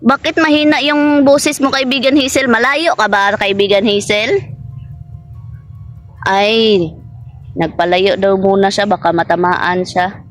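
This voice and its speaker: Slow-talking woman chatting to a spirit friend. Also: medium pitch, fairly even intonation, soft background music. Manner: chatty, relays what the spirit says, laughs often. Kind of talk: casual spoken vlog addressing an unseen spirit. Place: outdoors in a garden.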